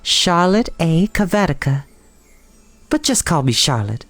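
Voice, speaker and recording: A woman's voice: on the low side, big pitch swings, a little slow, no echo. A woman voicing a small female storybook spider, pleasant, proud and matter-of-fact, with a thin, light voice. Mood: friendly. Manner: pleasant, precise, self-assured.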